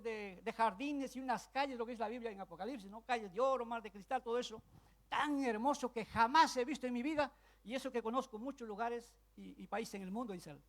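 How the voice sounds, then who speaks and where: A man preaching a sermon, telling a story with loud bursts and then dropping to hushed asides. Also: extremely high pitch, a little fast.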